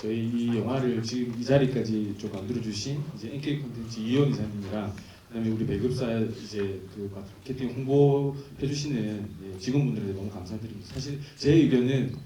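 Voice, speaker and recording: A man's voice: on the low side, fairly quick, few pauses, warm tone, a little hiss or hum. A man, a film director, answering audience questions with polite thanks. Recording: echoey cinema hall from far off.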